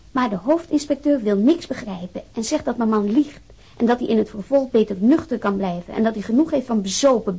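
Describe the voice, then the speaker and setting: A concerned wife setting out a complaint in plain, earnest words. Her voice is fairly high, with a husky edge and a lot of creak. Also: warm tone, rough recording. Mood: indignant, worried. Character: worried, indignant wife writing on her sick husband's behalf. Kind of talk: dramatized reading of a complaint letter.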